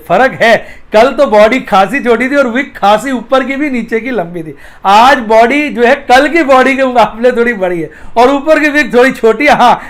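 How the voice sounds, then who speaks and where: A man's voice: very high voice, fairly bright tone. A man giving a playful daily stock market commentary, with rhyming asides.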